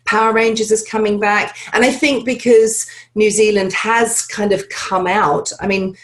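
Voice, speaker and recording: A woman's voice: medium pitch, steady tone, unhurried. A woman acting coach chatting in an interview over a video call, upbeat and loose, running her thoughts together. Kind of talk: casual interview chat. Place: home.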